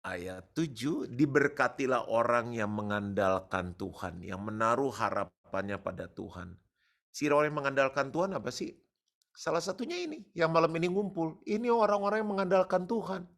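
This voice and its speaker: A male pastor preaching a sermon, animated and joking, slipping English words into his talk. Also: mid-range voice, normal speed, gravelly.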